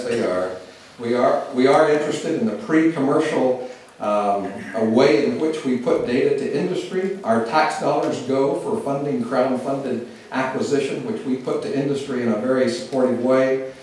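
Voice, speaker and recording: A man's voice: mid-range voice, a little mellow, slight background noise. US man speaking in a hall. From Oklahoma, USA. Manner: measured, many "uh" fillers. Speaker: government speaker on oil and gas. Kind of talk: public speech. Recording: roomy hall, distant mic.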